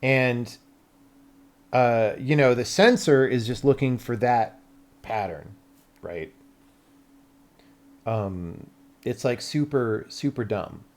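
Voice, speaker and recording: A man's voice: medium pitch, slow, long pauses, darkish tone. An American man chatting casually on a livestream, explaining tech and thinking aloud in an informal, rambling way. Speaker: live streamer.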